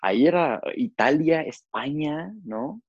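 A man's voice: on the high side, lively intonation, slow, a loud crowd. A young man with a Mexican accent, hosting a podcast in a casual, rambling way with lots of fillers. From Zacatecas, Mexico. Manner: chatty, rambling with many fillers. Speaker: podcast host. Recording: dull, lo-fi.

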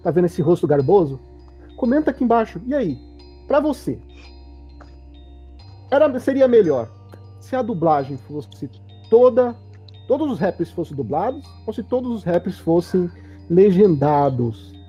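A Brazilian woman hosting a casual livestream, her voice husky and dark-toned, her pitch swooping animatedly. She calls on her co-hosts and reads viewer comments aloud. The sound is dull and lo-fi, with faint music underneath. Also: big pitch swings, a little slow, pauses often. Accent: Brazilian Portuguese. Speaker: host.

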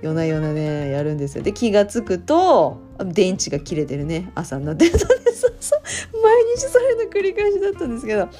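Middle-aged woman teaching english casually, very animated up-and-down voice, laughs a lot, repeats phrases, light music behind. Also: mid-range voice, brisk. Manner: chatty and animated, laughs often, drills phrases over and over. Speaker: English teacher and podcast host. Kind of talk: casual spoken English lesson.

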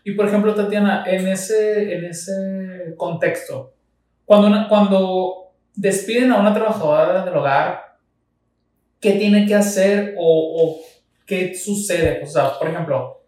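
A man co-hosting a podcast, asking measured, polite questions. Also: high-pitched, a little mellow. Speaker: podcast host. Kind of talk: interview questions. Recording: echoey, distant mic.

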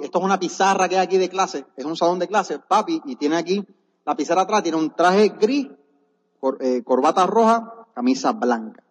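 A man giving an earnest motivational testimony on stage at a business seminar, urging the audience on. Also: high-pitched. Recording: dull echoey hall recording.

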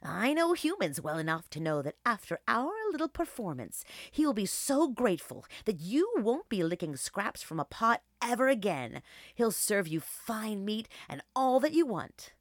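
A woman's voice: medium pitch, sing-song, moderate pace, no room sound, studio quality, voice pushed up. Woman as a sly, lilting old she-wolf. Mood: coaxing, theatrical. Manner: teasing, scheming, persuasive. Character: sly, mischievous aging female gray wolf. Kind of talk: children's storybook character voice.

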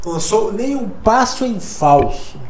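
Lively Brazilian man in an echoey room. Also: high-pitched, slow, crowd noise. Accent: Brazilian Portuguese. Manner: playful, teasing, lively. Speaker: co-host. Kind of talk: casual chat about streaming releases. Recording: echoey room with faint noise.

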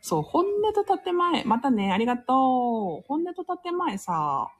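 Woman host, casual live-stream chat, husky and lively, laughs between comments. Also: high-pitched, measured pace. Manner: chatty, laughs often, reads comments aloud. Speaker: livestream host reading listener comments.

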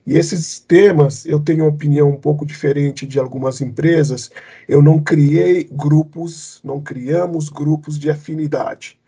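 Husky-voiced man from Cape Verde. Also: a little high, steady tone, moderate pace, warm tone. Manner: thoughtful, hesitant with many fillers and restarts. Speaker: company executive, guest. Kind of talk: interview answers.

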